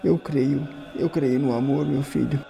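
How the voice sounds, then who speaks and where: A man playing a gentle, devout priest in an audio drama role-play, speaking haltingly and repeating phrases with solemn fervour. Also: medium pitch, fairly even intonation, vocal fry, soft background music. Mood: fervent, tender. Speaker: tabletop role-play player. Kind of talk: improvised in-character audio drama acting.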